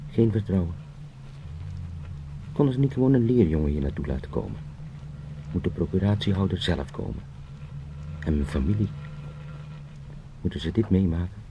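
A man's voice: sits low, lively intonation, normal speed, pauses often, lo-fi sound. An actor in a radio drama playing a resentful, dreading young salesman turned beetle, in a bitter inner monologue. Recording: clear background noise.

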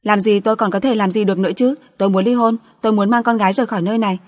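A female narrator plays a middle-aged wife at the end of her rope in a storybook drama. She rants and accuses bitterly, her pitch lifted above plain narration. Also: fast talker, lightly acted. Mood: angry, desperate. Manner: ranting, accusing, wailing.

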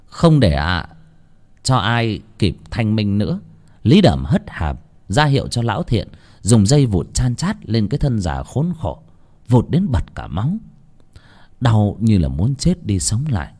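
Low-voiced man telling a grim folk tale. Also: sing-song, measured pace, darkish tone. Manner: grave, emphatic storytelling. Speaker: storyteller. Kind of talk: dramatic folk-tale narration.

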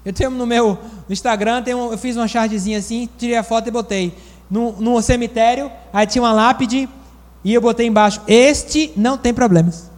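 Male pastor with a high voice, animated preaching style, long church-hall reverb. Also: brisk. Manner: animated, acts out quoted voices. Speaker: pastor and psychologist. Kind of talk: sermon.

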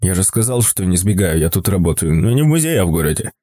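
A man voices an odd, excitable bearded stranger in a deeper, darker, slower voice than his narration. He swoons over the art, then sizes up the strangers with a wary bluntness. The recording is dry and close. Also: no room sound. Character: eccentric bearded man, gushing and jumpy.

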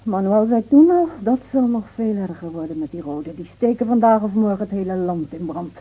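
A bitter village wife grieving for her man, husky, intense, old phone-like radio play sound. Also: mid-range voice, lively intonation, brisk. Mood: subdued. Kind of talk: Dutch radio drama acting.

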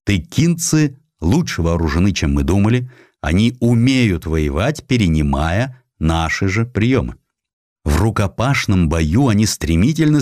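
A man reading a historical essay as an audiobook narrator, in an expressive, measured literary manner with distinct pauses. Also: sits low, no room sound, studio quality.

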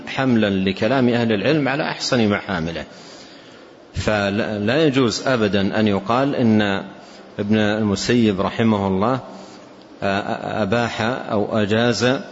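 Deliberate low-voiced male scholar teaching. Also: slight background noise. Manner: deliberate, repeats key phrases for emphasis. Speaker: religious scholar giving commentary. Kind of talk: classical text commentary lesson. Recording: dull lo-fi recording.

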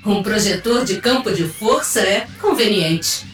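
A woman's voice: mid-range voice, animated, unhurried, a bit bright, distant mic. Casting: actress as reprogrammed android war leader, female, clipped and cold, echoey audio drama, slightly off mic. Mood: fierce. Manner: clipped, commanding. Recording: echoey, off mic, faint music.

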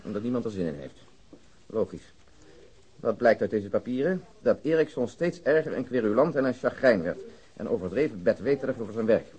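Radio drama policeman, middle pitch, dry and wry, explains stuff matter of factly. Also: animated, brisk, darkish tone, breathy edge. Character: dry, matter-of-fact male police colleague giving case background. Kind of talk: Dutch radio drama dialogue.

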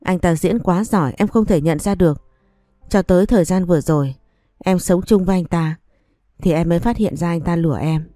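A woman's voice: fairly low pitch, fairly quick, dark tone, no echo, studio quality, faint music behind, natural voice. A woman reading a sly, pleading young wife. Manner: coaxing and pleading. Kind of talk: audiobook story reading.

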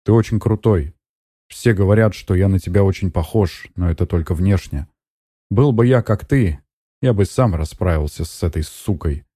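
A man's voice: deep voice, moderate pace, dark tone, slightly rough, no room sound, clean studio sound. A man reading an audiobook, voicing a young nephew who teases his uncle in a mocking, needling way. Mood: earnest. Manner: sarcastic, needling.

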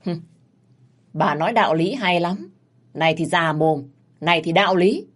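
A woman narrator voicing a fierce older mother who threatens and scolds harshly, with a husky low voice. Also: moderate pace, lightly acted. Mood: furious. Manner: harsh, threatening, shouting abuse.

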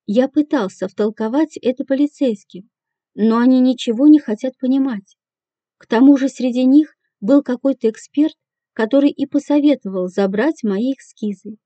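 A woman's voice: sits high, moderate pace, dark tone, no room sound, muffled recording. A woman reading the lines of an insistent, aggrieved male jeweler who keeps explaining himself, in an audiobook.

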